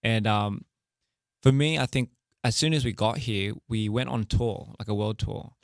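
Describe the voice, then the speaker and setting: A young man chatting candidly as an interview guest, loose and relaxed, full of fillers and laughing easily. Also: fairly low pitch, unhurried, creaky, no room sound, clean studio sound. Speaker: interview guest, music artist and director. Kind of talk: casual interview chat.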